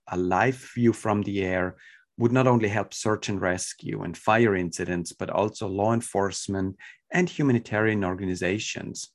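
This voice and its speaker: Man, Swiss accent, podcast guest, lowish pitch, enthusiastic, halting with fillers. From Switzerland. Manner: enthusiastic, thoughtful, many fillers and restarts. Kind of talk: podcast interview.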